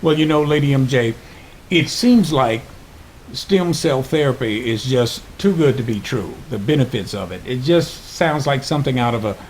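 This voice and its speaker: A man's voice: mid-range voice, expressive, moderate pace, a little hiss or hum, rough recording. Conversational man hosting a talk show. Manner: conversational, leading the discussion with questions.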